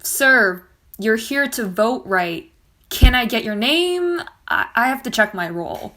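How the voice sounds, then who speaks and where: A woman playing a brisk, practical polling-place volunteer leader in an amateur theater skit, matter-of-fact and easily flustered. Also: a little high, expressive, fairly bright tone. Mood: flustered, exasperated.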